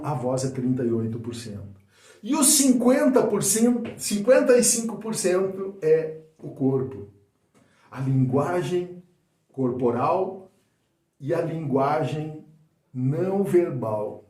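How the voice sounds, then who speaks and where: A man teaches public speaking, demonstrating each point by changing his loudness, speed and pitch as he goes. His voice sits on the high side for a man. The room around him has a noticeable echo. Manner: demonstrative, swings loudness, pace and pitch on purpose. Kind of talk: spoken lesson on public speaking. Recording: roomy echo.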